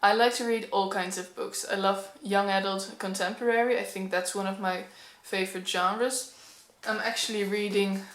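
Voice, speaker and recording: Young Dutch-accented woman, casual book vlog to camera, candid and slightly nervous, mid-pitched voice, roomy echo. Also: fairly even intonation, moderate pace, few pauses, a bit bright. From Netherlands. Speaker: book vlogger. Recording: echoey room.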